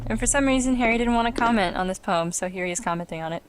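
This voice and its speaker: A woman's voice: on the high side, rapid-fire. A woman hosting a video game playthrough with casual, sarcastic commentary and the odd swear word. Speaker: let's play host. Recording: game music behind the voice. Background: video game music.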